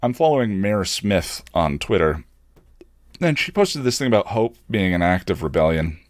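A middle-aged man hosting an online show, speaking in a candid, halting, thoughtful personal monologue. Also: sits low, very animated, dry recording, clean studio sound.

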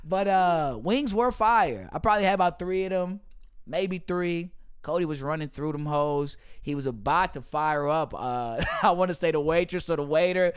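Laid-back man with a smooth voice. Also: on the high side, moderate pace. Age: 20s. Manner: loose, laughing, slangy banter. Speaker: podcast host. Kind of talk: casual chat. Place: Houston area. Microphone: studio mic.

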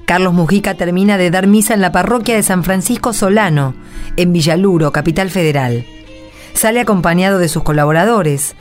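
A woman giving solemn scripted narration for a radio drama. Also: medium pitch.

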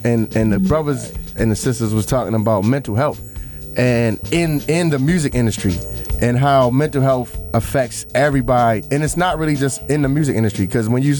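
A man in his late thirties co-hosting a radio show in a studio, easygoing and quick to laugh. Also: mid-range voice, darkish tone, soft background music. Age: 30s. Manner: laughs often, teasing, loose and easygoing. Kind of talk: casual studio banter.

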